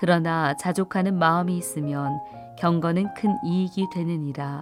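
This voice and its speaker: A woman speaks at a fairly slow pace and a fairly low pitch. Her pitch varies in an ordinary way over music in the background. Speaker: announcer. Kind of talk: scripture reading.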